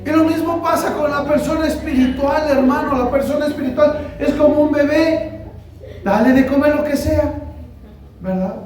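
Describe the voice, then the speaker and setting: A very high-pitched, slightly mellow voice belongs to a pastor preaching at normal speed in Mexican Spanish. His sermon is conversational and full of questions aimed at the congregation. Recorded at a distance, the church hall sounds very echoey with faint noise.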